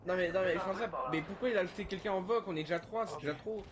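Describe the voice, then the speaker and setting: A man's voice: high-pitched, rapid-fire, a crowd in the background. A man with a southern French accent streaming a game, complaining and joking with teammates. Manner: rambling, complaining, jokey. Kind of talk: casual gaming banter.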